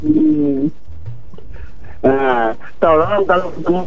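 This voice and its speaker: Caller on a choppy, cutting-out phone line. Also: male voice, high-pitched, wildly swooping pitch, takes it slowly, vocal fry, faint music behind. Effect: phone line breaking up and cutting out. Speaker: radio call-in caller. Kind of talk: casual chat on air. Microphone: telephone.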